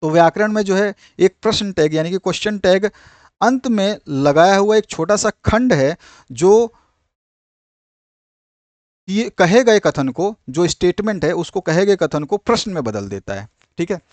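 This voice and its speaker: A man gives an exam-prep lesson, explaining in Hindi and slowing right down whenever he reads an English definition. His voice sits a little high for a man. The sound is dry and close, with hardly any room echo. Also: lively intonation, darkish tone. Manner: repeats filler phrases like "thik hai" and "jo hai". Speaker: teacher.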